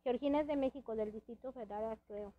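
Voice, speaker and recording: A woman's voice: on the high side, quick pace, dull audio. A woman hosting a casual live-stream chat from a friend's house, rambling with many restarts and little laughs, her speech a bit hampered by a dental palate. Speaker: host.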